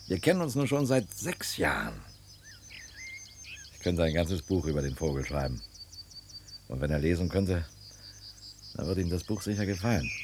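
A wry, easygoing neighbour in an old radio play, with a lowish voice. He teases in a relaxed, conversational way over faint noise. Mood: fond, musing. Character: wry, leisurely teasing male neighbour and friend. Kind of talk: 1970s German radio drama acting.

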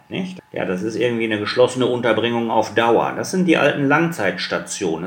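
A man with a very low voice talks through his points in an interview, loose and conversational, tossing in little tag questions. His voice carries a noticeable room echo around it. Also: fairly bright tone. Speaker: patient advocacy board member. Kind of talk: interview answers. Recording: roomy echo.

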